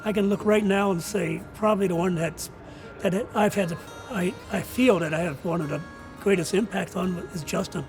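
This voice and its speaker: Older man, high creaky voice. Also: normal speed, soft background music. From outside the United States. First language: not English. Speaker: college soccer coach. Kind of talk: interview answers.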